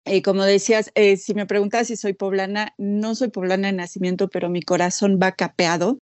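A woman from Mexico with a Mexican accent, speaking at a middle pitch into a close, dry mic. She tells her own story thoughtfully, stopping often to gather her words. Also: little pitch movement, brisk, a little mellow, no room sound. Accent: Mexican Spanish. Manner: thoughtful, with frequent hesitations. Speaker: podcast guest. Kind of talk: casual personal storytelling.

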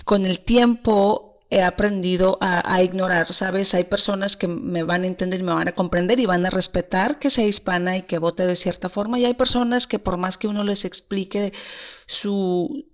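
Woman guest, earnest and emphatic, mid pitch, slightly dull recording. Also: moderate pace. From Texas, USA. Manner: earnest, emphatic, repeats words as she restarts. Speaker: guest, party regional director. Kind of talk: interview answers. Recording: slightly muffled audio.

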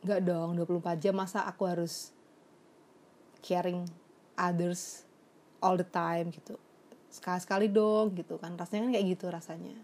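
A young woman working as a psychologist speaks at normal speed in a fairly low, slightly mellow voice with flat delivery and frequent pauses. The talk is a casual confessional vlog, chatty and reflective, full of fillers and sprinkled with English phrases.

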